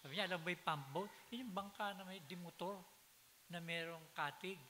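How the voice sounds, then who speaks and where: A man's voice: high voice, fairly quick, bright, forceful tone. A man preaching a sermon in a church, telling stories and switching into English phrases, building to emphatic peaks. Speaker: pastor. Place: church hall. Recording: hiss and long hall reverb.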